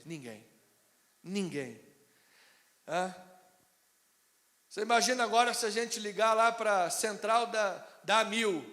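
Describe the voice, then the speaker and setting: A man from Rio de Janeiro with a Carioca accent preaches from the pulpit in a remarkably high voice. He swings between booming proclamations and soft, chatty asides. His words ring out with the long reverb of a church sanctuary. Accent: Carioca Brazilian Portuguese. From Brazil (Rio de Janeiro). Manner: swings from loud proclamations to quiet conversational asides. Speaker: pastor. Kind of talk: sermon.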